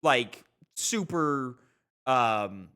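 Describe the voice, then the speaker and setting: A man co-hosting a gaming podcast, chatting casually and telling things in an animated way. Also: medium pitch, drawn-out words, clear, resonant tone. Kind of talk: casual chat.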